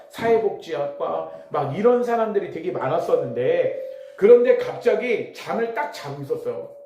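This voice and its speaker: A middle-aged man preaches in a roomy, echoing church hall. His voice sits high for a man and leaps all over the place as he tells a story. He drops to near-whispers and then bursts into loud cries. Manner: animated storytelling that swings from hushed asides to sudden shouts. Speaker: pastor. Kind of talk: sermon telling a personal story. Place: church sanctuary.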